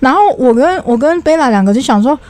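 A young woman, co-hosting a podcast and telling stories in an animated, exasperated way, with some swearing. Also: high-pitched, fast talker, no echo. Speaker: podcast co-host. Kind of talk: casual storytelling chat.

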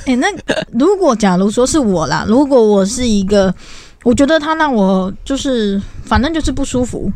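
Teasing young woman, slightly high voice. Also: very animated, darkish tone, no room sound. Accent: Taiwanese Mandarin. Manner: teasing, quick reactions. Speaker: podcast co-host. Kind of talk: casual chat.

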